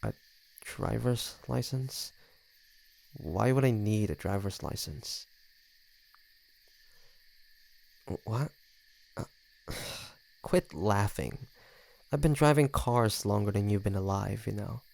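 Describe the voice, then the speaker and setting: Man voicing a smug, creaky low-voiced flirty vampire. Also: lively intonation, slow pace, pauses often, a little mellow, heavily acted. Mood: flustered, defensive. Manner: teasing, smug, sardonic. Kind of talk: scripted audio roleplay addressed to the listener.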